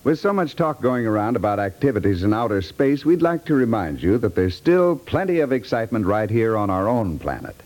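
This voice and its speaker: A man reading a scripted promotional announcement as a 1950s network radio announcer, polished and measured. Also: on the low side, very animated, a little mellow.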